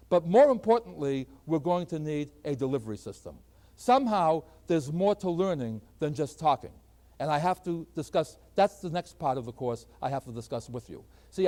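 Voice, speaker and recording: Man, middle-aged math lecturer, fairly high voice, lively, emphatic, folksy classroom delivery. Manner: animated, emphatic, folksy asides. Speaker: math professor.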